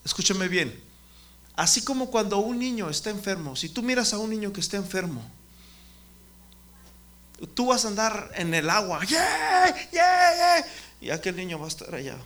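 Bright high-voiced man preaching to children. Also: expressive, moderate pace, long pauses. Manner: engaging, asks the children questions by name. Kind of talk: children's sermon.

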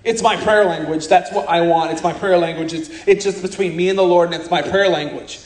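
A man from America preaching with fiery, scornful conviction. His voice sits high, and he drags out his punchlines for weight. The sound rings around an echoey room. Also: fairly even intonation. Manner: fiery, blunt, scornful preaching with sudden slowdowns for emphasis. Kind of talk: sermon.

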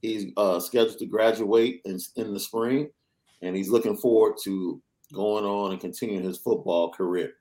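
A young adult man hosting a casual sports podcast, reading through news in an energetic, chatty way. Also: lowish voice, normal speed. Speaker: podcast host.

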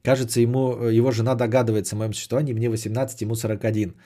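A man's voice: mid-range voice, little pitch movement, racing, warm tone. A man hosting a podcast, chatting casually and sardonically as he answers audience messages, often swearing and repeating phrases. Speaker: podcast host.

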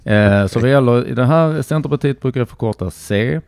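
A man's voice: medium pitch, a little mellow, smooth, no room sound, clean studio sound. A man with a Skåne Swedish accent, a playful, punning quiz contestant thinking aloud in a casual podcast chat.

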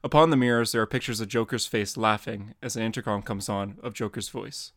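A man's voice: fairly low pitch, brisk, a bit bright. A young man co-hosting a podcast, chatting casually and narrating comic book scenes.

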